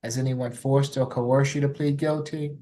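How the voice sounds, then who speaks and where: A male judge runs formal courtroom questioning in a polite, measured way. His voice is mellow and relaxed, and the pitch stays quite flat.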